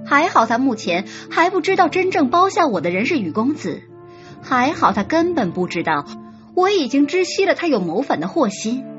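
A woman's voice: high-pitched, sing-song, normal speed. A woman narrating a romance audiobook in first person, telling it expressively. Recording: slightly dull audio with soft music.

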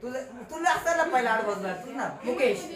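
A woman's voice: on the high side, lively intonation, fast talker, a crowd in the background. A woman teacher with a Marathi accent, playfully quizzing a class of children and teasing them. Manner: playful, teasing, quizzes pupils with call-and-response. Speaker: school teacher. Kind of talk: classroom grammar lesson. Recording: echoey classroom with children's voices.

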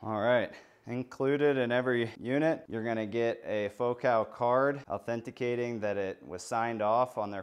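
A young man with a fairly low voice presents products in a casual unboxing style. He talks informally to his viewers and sounds enthusiastic about the gear. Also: clear, resonant tone.

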